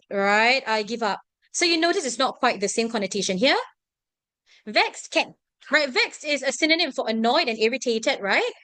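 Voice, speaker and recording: A Singaporean woman teaching an online class, her voice high and sparkling with wide swoops in pitch. She keeps pausing to ask "right?" and "okay?" in a close, dry sound. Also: no room sound. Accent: Singaporean English. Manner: animated, constantly checking in with "right?" and "okay?". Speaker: tuition teacher.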